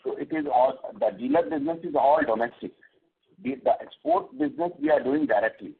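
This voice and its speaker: A man with an Indian accent giving company commentary and answers on an earnings call, halting and repeating words. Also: fairly high pitch, sing-song, gravelly, breathy edge. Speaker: company executive. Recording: muffled, tinny conference phone line.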